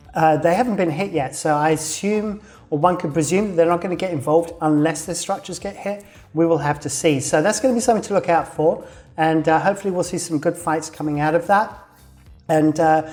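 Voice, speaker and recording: A medium-pitched, slightly mellow voice belongs to a host casually running through a game world's weekly news while sketching on a map. The talk rambles, packed with fillers and self-corrections, and the voice sounds a bit worn, as if going hoarse. The host chuckles at their own on-screen doodles over faint background music.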